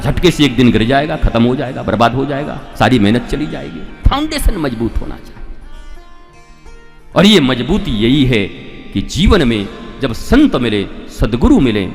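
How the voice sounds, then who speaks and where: Slow-paced male Hindu preacher in reverberant hall. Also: fairly high pitch. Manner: emphatic teaching with rhetorical questions and repeated phrases. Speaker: Hindu preacher, spiritual teacher. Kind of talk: devotional sermon, scriptural storytelling. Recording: long hall reverb with music behind.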